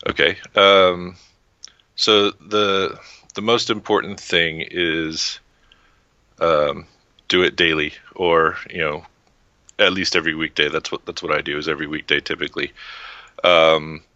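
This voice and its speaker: A man's voice: low voice, level tone, measured pace, pauses often, bright, forceful tone, no room sound. A man from Texas, a guest in an interview, talking in a hesitant, casual way with many fillers. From Texas, USA. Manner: hesitant, many "um" and restarts, laughs lightly. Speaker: guest, website founder. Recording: dull lo-fi dry sound.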